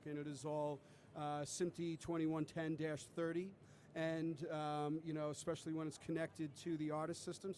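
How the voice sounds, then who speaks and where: A man with a slightly high voice presents a product in a live demo. He explains it methodically, one step after another. There is some noise and low rumble behind him. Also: a little mellow.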